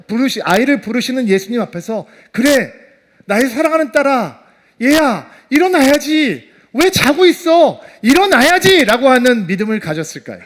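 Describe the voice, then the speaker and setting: A middle-aged male pastor preaching a sermon, swinging from loud emphasis to soft, hushed tones. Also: high voice.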